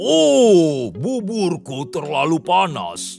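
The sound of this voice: A put-on character voice moves at a very slow pace while clear music plays in the background. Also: man, fairly high pitch for a man.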